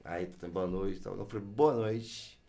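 A man's voice: fairly low pitch, fairly even intonation, measured pace, gravelly, mellow. A Brazilian man, telling a story in casual chat and acting out the lines he quotes.

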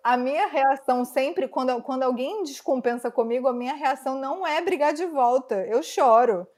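Woman telling a story, high voice, super expressive, acts out the quotes. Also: normal speed. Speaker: podcast host telling a story. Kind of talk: casual chat.

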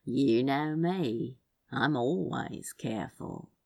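A woman's voice: rumbling low, slow, creaky, mellow, husky, no room sound, voice pushed down, exaggerated voice. A woman voicing a cocky, unflappable male sorcerer with a wry, fond manner, in a storybook reading.

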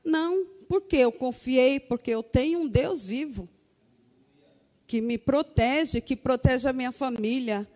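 A Brazilian woman with a mellow, fairly high voice tells an earnest church testimony. Her words carry a long, ringing reverb. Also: a little slow. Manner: earnest, addresses listeners as brothers. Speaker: church member giving testimony. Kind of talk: testimony to a congregation.

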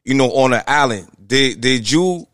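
A man hosting a podcast, asking halting questions and giving short affirmations in a laid-back way. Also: mid-range voice, lively intonation, a bit bright, no room sound, clean studio sound. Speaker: podcast host. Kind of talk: casual interview.

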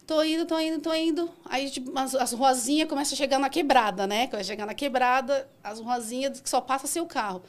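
A woman rideshare driver, telling comic stories from her job in animated, casual chat. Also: sits high. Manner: animated, quick, acts out dialogue in her stories. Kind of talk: casual comic storytelling on a podcast.

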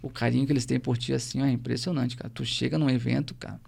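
A man, a zumba instructor guest, telling stories in a lively way and acting out dialogue. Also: medium pitch, racing, gravelly, husky. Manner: lively, acts out quoted dialogue. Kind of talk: animated storytelling in conversation.

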